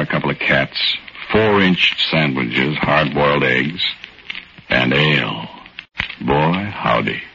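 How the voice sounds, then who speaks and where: A very deep-voiced, folksy radio narrator. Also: male voice, slight background noise, full character voice. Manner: folksy, relaxed storytelling. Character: easygoing working man recalling his past. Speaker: narrator and lead character. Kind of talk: 1940s radio acting. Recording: dull lo-fi old radio recording with music.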